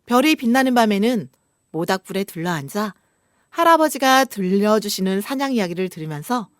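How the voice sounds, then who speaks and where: A woman hosts a book and poetry program in a dry studio sound. Her mid-pitched voice moves in lively contours as she reads verse expressively and talks things over in a polite, reflective way. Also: normal speed, no room sound. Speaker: radio co-host. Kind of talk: scripted poem reading and relaxed book chat.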